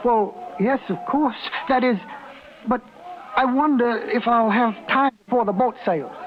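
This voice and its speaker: A man's voice: very high-pitched, measured pace, slight background noise. A man playing a timid, fussy store clerk who narrates a 1950s radio drama, hesitant and stammering. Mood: fretful. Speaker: lead actor and narrator. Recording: tinny old radio broadcast with music.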